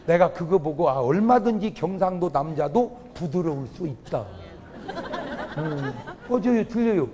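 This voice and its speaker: Set in a church or large auditorium with a faint crowd audible, this male pastor's voice is slightly high, animated, dark in tone, and a little slow. His revival sermon is humorous, packed with questions aimed at the congregation, exclamations, and call-and-response.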